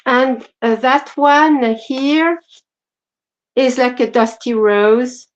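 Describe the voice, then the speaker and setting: A woman with a French accent co-hosting a casual crochet livestream, soft-spoken and apologetic with many fillers. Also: high voice, very slow. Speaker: co-host. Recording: dull lo-fi stream audio.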